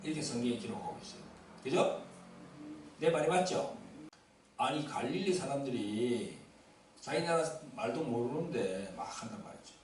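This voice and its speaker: A man's voice: mid-range voice, lively intonation, moderate pace, pauses often, a little mellow, slight background noise. A middle-aged man from the Gyeongsang region of Korea, a pastor, preaching a conversational sermon while seated, with a Gyeongsang accent. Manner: conversational preaching with congregation responses and asides. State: seated due to an injured ankle. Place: church sanctuary. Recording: very echoey church hall, somewhat distant mic.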